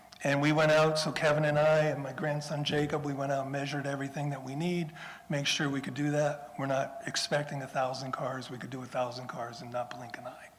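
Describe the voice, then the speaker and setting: Over noticeable background noise and audible room echo, a man talks at a fairly quick pace. His fairly high voice stays monotone, with flat intonation. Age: 70s. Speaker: local car show organizer. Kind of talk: public presentation at town meeting. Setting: town meeting room. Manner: informal, with frequent fillers.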